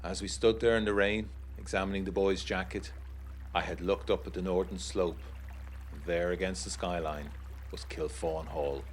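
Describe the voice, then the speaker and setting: A man's voice: deep voice, fairly even intonation, normal speed, a little hiss or hum, natural voice. An actor playing a genteel, uneasy young war veteran narrating his letters in a literary, wryly confiding way for a gothic period audiodrama. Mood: uneasy, brooding.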